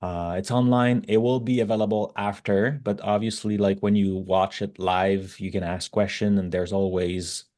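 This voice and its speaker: French accent guy, kinda low voice, chatting tech stuff as a guest, bit halting. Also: fairly even intonation, a little mellow. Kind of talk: casual technical talk.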